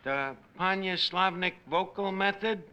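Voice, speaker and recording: A man's voice: sits high, a little slow, pushed and bright, smooth, lo-fi sound. An actor playing a sardonic, wisecracking man who runs a tavern, in a 1940s radio comedy. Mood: wry. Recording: noisy old radio recording.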